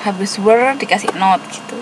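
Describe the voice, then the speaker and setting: A woman's voice: mid-range voice, normal speed. Patient woman teacher, noisy room. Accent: Javanese. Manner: patient explaining, mixing English terms in, light laughs. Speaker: English teacher. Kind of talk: online English class. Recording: noisy room with air conditioning.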